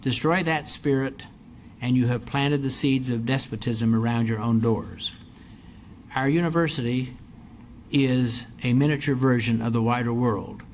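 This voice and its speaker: With a faint hiss or hum in the audio, a medium-pitched older man is heard addressing an auditorium audience. He is a university president delivering a formal speech and later fielding questions, emphasizing ideas through repeated phrases.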